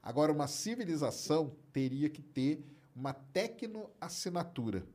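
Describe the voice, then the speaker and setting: Husky Brazilian man explaining astronomy. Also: fairly high pitch, moderate pace. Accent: Brazilian Portuguese. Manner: relaxed, explanatory, tags phrases with "né" and "cara". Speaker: astronomy expert answering viewer questions. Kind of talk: casual live-stream chat.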